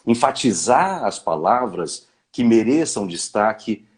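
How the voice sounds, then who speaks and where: A man's voice: on the low side, very animated, slow, slightly rough. A man, a guest on a live talk, giving advice on public speaking in short commands with frequent "né?" tags. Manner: didactic, gives advice in short imperatives with many "né?" fillers. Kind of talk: live online conversation.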